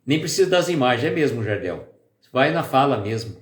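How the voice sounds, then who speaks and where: A man hosting a spiritist live stream, chatting casually with viewers by name and then slowly leading a calm guided prayer. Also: mid-range voice. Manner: slow, soft and calm when leading the prayer. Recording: echoey room with faint music.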